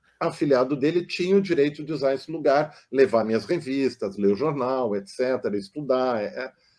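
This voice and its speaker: Speaking with a German accent, a man uses lively intonation at a moderate pace. The background is quiet. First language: German (speaking Portuguese). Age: 60s. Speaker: psychoanalyst. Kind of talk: interview conversation.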